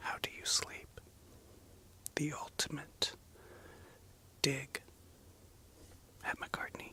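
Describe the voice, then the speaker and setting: Whispering at a very slow pace with long, frequent pauses, the speaker is heard over noticeable background noise. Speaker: record reviewer. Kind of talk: ASMR soft-spoken album review. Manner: whispered, soft-spoken.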